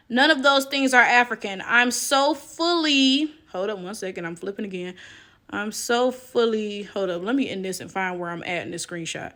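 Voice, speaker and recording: A woman's voice: on the high side, bright, forceful tone. A woman gives casual online commentary in a sassy, incredulous, emphatic manner.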